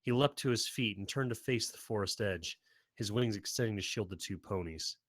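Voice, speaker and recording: Low-voiced man narrating a story. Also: normal speed, no echo, clean studio sound. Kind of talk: scripted dramatic story narration.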